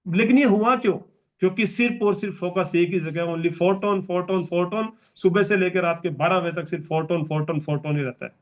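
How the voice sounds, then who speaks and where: High-voiced man giving a fired-up pep talk. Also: fairly even intonation, normal speed. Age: 40s. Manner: emphatic, repetitive, exhorting. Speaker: business trainer. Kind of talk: motivational training speech.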